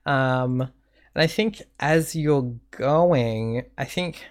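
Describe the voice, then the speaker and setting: Slow, halting male game master. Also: medium pitch. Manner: halting, many fillers. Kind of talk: narrating a tabletop game.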